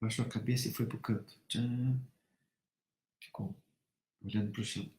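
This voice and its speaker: Brazilian guy doing a live talk on parenting, gets loud then goes real quiet, roomy echo. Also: lowish voice, normal speed. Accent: Brazilian Portuguese. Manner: animated, swings between loud emphasis and soft hushed tones; acts out dialogue while telling stories. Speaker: family counselor.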